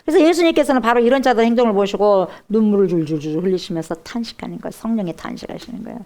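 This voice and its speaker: A woman's voice: mid-range voice, racing, a little mellow. A woman pastor with a Jeolla accent preaching a sermon emphatically and putting direct questions to the congregation.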